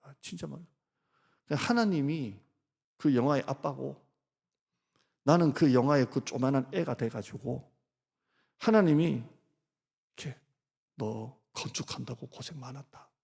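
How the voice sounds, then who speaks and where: Middle-aged guy pastor preaching, gravelly husky voice, long church echo. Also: medium pitch, unhurried, long pauses. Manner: repeats short phrases, acts out quoted lines softly. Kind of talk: sermon. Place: church sanctuary. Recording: long hall reverb.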